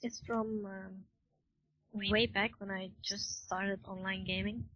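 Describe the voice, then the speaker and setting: Female podcast guest, casual, flat intonation, dry muffled recording. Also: medium pitch, slow, dry recording. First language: Dutch. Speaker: podcast guest, forum admin. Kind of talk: casual interview chat.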